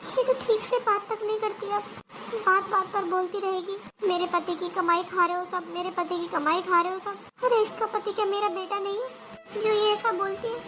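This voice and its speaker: A woman voicing a meek older mother-in-law who complains and pleads in an animated cartoon. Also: very high-pitched, moderate pace, music in the background. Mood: pleading. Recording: noisy home recording.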